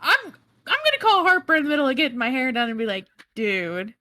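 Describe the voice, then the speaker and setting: A woman improvising casually as a tabletop game player, halting and repeating her words. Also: high-pitched, sing-song, bright, forceful tone. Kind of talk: casual in-character improvised chat.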